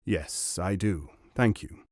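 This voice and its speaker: A man's voice: sits low, takes it slowly, no echo, clean studio sound, voice pushed down. A man voicing a proud young male Arab prince who speaks formally and insistently.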